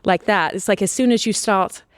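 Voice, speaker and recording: A woman's voice: mid-range voice, moderate pace, no echo, studio quality. A young woman narrator and songwriter chatting as a podcast guest, laughing often and playfully trying out accents. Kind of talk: casual interview chat.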